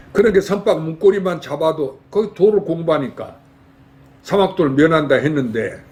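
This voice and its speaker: A man's voice: a little high, darkish tone. An older man from Jeolla, a Buddhist monk giving a folksy dharma talk in a temple hall and quizzing his lay audience with rhetorical questions. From Jeolla, South Korea.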